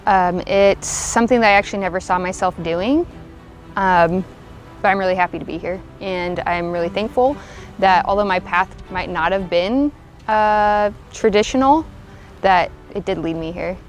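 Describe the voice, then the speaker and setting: A woman's voice: mid-range voice, normal speed, faint music behind. A woman from Washington State, a police officer, speaking earnestly and sincerely in an interview. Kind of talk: recruitment video interview.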